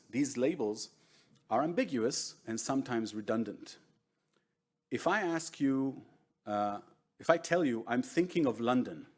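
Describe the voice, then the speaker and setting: A middle-aged man, a native Hebrew speaker, lectures to a seated audience in a large conference room, speaking into a lectern microphone. His delivery is loose and conversational, and he keeps checking in with the listeners as he explains. His pitch sits in an ordinary middle range. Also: a little mellow. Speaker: workshop presenter.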